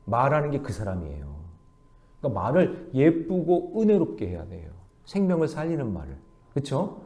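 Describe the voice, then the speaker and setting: A man's voice: medium pitch, wildly swooping pitch, normal speed, vocal fry, a little mellow. A male pastor preaching an early morning sermon, often asking the congregation questions and leading them in reading verses aloud.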